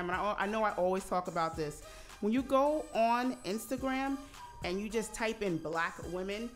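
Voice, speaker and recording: Chatty woman in her forties on radio. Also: medium pitch. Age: 40s. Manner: chatty, laughs easily, many fillers. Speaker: radio host. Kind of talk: casual radio talk. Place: radio studio. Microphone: studio microphone.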